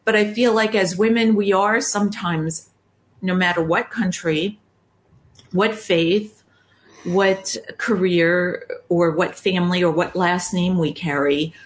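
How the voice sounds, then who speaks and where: A woman's voice: on the low side, steady tone, slow. An American woman in her fifties hosting an interview, talking in a chatty, personal way and laughing often. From United States. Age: 50s. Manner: warm chatty, laughs often, talks about herself. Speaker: podcast host. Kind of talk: casual interview chat.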